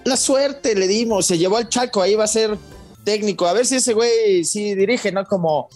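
A man's voice: high-pitched, normal speed, a little mellow, soft background music. A man with a Mexican accent co-hosting a football podcast, joking in slangy casual banter. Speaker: podcast co-host.

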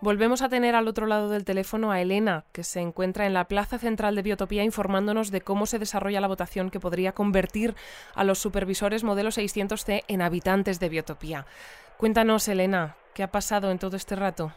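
An actress playing a composed female radio news presenter in an audio drama, speaking in a measured, polite, articulate way. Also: medium pitch, steady tone, clear, resonant tone, faint music behind, lightly acted.

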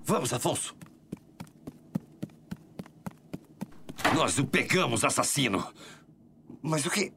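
An actor with a Brazilian accent playing an earnest, determined police detective in an audio drama. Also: male voice, mid-range voice, big pitch swings, normal speed, gravelly, very noisy. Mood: shocked. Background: loud music.

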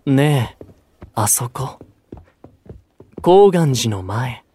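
A man playing a quiet, dreamy young idol in a voice drama, speaking in soft, sparse, halting phrases. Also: medium pitch, lively intonation, slightly rough, full character voice. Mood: dreamy, calm. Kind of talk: anime-style voice drama acting. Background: music.

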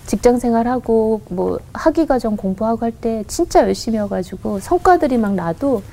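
Mellow-voiced woman telling a personal story. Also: fairly high pitch, animated, gravelly, slight background noise, rough recording. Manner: earnest, halting, with frequent restarts; acts out quoted voices in her story. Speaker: guest, company head. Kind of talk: personal storytelling in a radio interview.

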